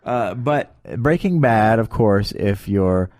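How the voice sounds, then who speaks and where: A man hosting a podcast in casual, joking banter, talking in a meandering, halting way on a close mic. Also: lowish voice, expressive, a little mellow, dry recording. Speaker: podcast host.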